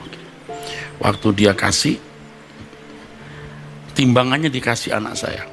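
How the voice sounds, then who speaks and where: A middle-aged man preaching a sermon as pastor, talking in a conversational way, acting out short everyday dialogues and breaking into sudden high emphatic bursts. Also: a little slow, fairly bright tone. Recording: music playing underneath.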